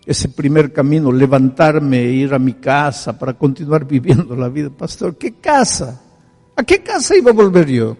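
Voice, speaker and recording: A man's voice: medium pitch, fairly even intonation, moderate pace, few pauses, close to an everyday voice. Preacher voicing a pleading reformed drunk man. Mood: pleading, emotional. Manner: impassioned, rising to near-shouts. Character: former alcoholic man, pleading and emotional. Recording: echoey hall with faint music.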